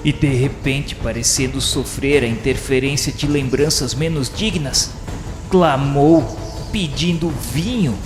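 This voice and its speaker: A man of medium pitch narrates a radio novela from a script at a measured pace, delivering its literary phrasing in a solemn, theatrical way. Clear music runs underneath, and the sound has a long, echoey reverb.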